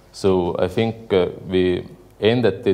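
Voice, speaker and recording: Speaking in an Estonian accent, a man uses a fairly low pitch and a dark, mellow tone, his intonation monotone and flat. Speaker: construction project manager. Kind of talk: conference presentation. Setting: stage with audience. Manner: halting. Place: hall.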